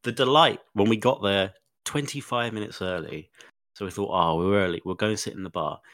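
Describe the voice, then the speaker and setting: Somewhat low and fairly bright, this man's voice moves a little fast over a dry recording. He's a podcast co-host sounding a touch sniffly as he chats casually, telling meandering stories stuffed with filler words.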